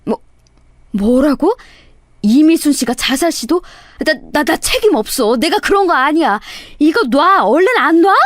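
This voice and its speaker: Brief: a blustering elderly con man, gruff and rude, pitched up, voiced by a woman narrator in a dry audio drama. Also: lively intonation, unhurried, no echo. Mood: panicked. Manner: gruff, indignant shouting.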